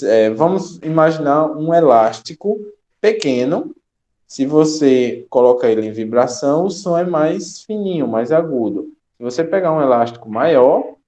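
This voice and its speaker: Mellow-voiced young man explaining slides. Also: mid-range voice. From Brazil. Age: young adult. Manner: explanatory, checks in with "ok?" and "tá?". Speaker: teacher trainer. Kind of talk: recorded online lecture.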